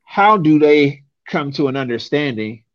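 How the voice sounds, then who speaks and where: A man's voice: on the high side, expressive, measured pace, fairly bright tone, dry recording, dull audio. A young man from San Francisco, talking casually and emphatically, often ending points with a rhetorical "right?". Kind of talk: casual conversation.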